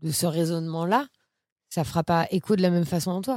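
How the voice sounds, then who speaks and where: A woman's fairly low, dark, mellow voice at a fairly quick pace, with ordinary pitch variation and a dry, close sound with no echo. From rural France. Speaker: podcast host. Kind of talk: casual chat. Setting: in a caravan.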